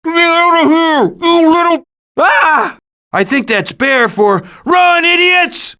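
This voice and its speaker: A man voicing a glib, sarcastic, scheming raccoon who leads a gang of food thieves in an animated video game. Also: very high voice, slow pace, full character voice. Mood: alarmed, shouting. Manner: glib, sarcastic, cocky quipping.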